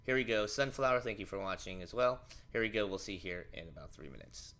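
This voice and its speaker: A man's voice: on the low side, expressive, fast, fairly bright tone. A man hosting a livestream, reading news and commenting in a rambling, offhand way with many fillers.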